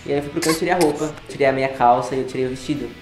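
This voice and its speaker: Relaxed 19-year-old Brazilian guy. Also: mid-range voice, racing, over music. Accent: Brazilian Portuguese. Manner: relaxed, laughs often. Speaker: interviewee. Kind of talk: casual personal storytelling. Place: studio against grey wall. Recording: roomy room sound.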